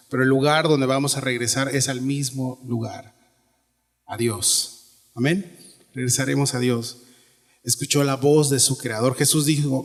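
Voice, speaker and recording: Earnest Mexican pastor preaching in a reverberant hall. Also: male voice, fairly high pitch. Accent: Mexican Spanish. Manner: earnest, conversational preaching with rhetorical questions. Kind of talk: sermon. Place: church sanctuary.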